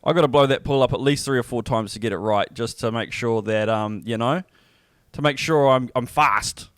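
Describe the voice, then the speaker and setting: A man's voice: medium pitch, normal speed, clean tone, faint music behind. A man in his thirties with a New Zealand accent, hosting a podcast with sweary, joking, laid-back banter and casual storytelling. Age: 30s. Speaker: podcast host.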